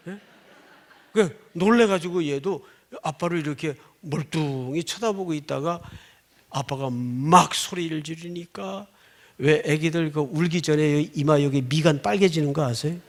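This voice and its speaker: A middle-aged man preaching a sermon, telling a story with dramatic swings, from loud outbursts to near-whispers, and prompting the congregation for responses. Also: fairly high pitch, measured pace. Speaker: pastor.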